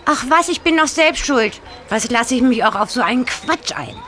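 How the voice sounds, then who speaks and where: A woman's voice: fairly high pitch, animated, normal speed, sharp tone, slight background noise. A woman playing a meek, guilt-ridden teenage schoolgirl in a radio play, sheepish and pleading.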